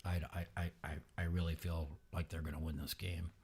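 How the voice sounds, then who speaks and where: A man hosting a podcast in casual sports betting talk, sluggish and halting, with many fillers and restarts, sometimes speaking quietly. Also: sits low, flat delivery, a little hiss or hum. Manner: talks quietly at times. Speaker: podcast host.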